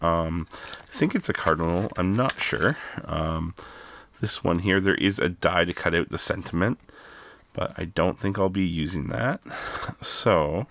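A Canadian man hosting a casual crafting tutorial, chatty with many ums, his voice still rough from being sick. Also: sits low, a little slow, a bit bright, slight background noise. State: recovering from illness, voice still rough. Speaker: craft video host.

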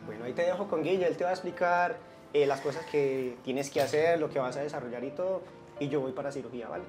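A man's voice: on the high side, fast, darkish tone, faint music behind. A young man playing the head doctor of a hospital, firm and lecturing toward applicants. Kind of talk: staged short drama. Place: clinic office.

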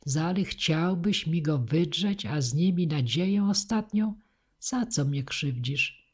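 A woman reading the part of a young, impassioned male knight in an audiobook, husky-voiced. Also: sits low, animated, slow, a little mellow, heavily acted. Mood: pleading.

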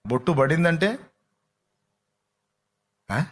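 A man preaching with a fairly high voice. He is emphatic and keeps questioning and urging the congregation. His delivery swings between loud cries and low, quiet asides. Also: expressive, drawn-out words. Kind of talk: sermon.

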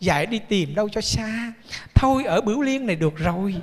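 A man's voice: sits high, animated, brisk. A Buddhist monk gives a chatty, storytelling sermon, joking and asking his audience questions. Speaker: Buddhist monk giving a dharma talk. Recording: reverberant temple hall.

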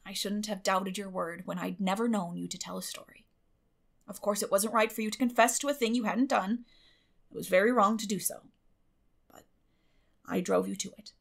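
A woman voicing a stern, plain-spoken older spinster with a brisk, firm manner in a storybook reading. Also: mid-range voice, gravelly. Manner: brisk, firm, matter-of-fact.

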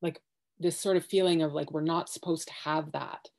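A woman in her thirties sharing her thoughts on a video call from home, halting and searching for words, with many fillers and restarts. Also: low-pitched, fairly even intonation, darkish tone. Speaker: workshop participant. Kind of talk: hesitant reflective sharing. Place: home living room.

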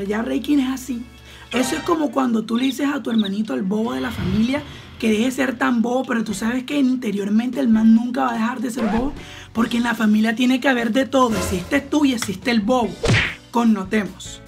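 A young Colombian woman with a Colombian accent, giving outspoken, gossipy reaction commentary and swearing freely. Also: a little high. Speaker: reaction vlogger. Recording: clear background music. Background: music playing.

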